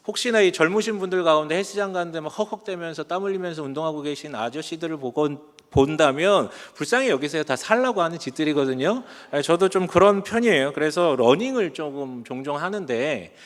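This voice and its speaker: A man in his forties with a fairly high, fairly bright voice. He's a pastor giving a chatty, self-deprecating sermon, telling humorous stories, and the church sanctuary gives the recording a long hall reverb.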